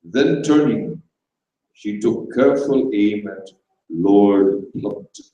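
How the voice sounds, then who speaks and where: A man's voice: fairly low pitch, expressive, takes it slowly, dark tone, dull audio. A man narrating a comic short story expressively in a dramatized stage reading, recorded from a distance in an echoey hall. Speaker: reader.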